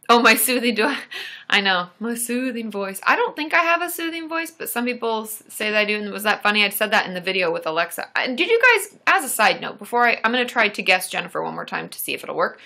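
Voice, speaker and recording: A woman's voice: fairly high pitch, vocal fry, sharp tone. A young adult woman therapist hosting a casual live-stream Q&A, chatty and reassuring, with many fillers and restarts.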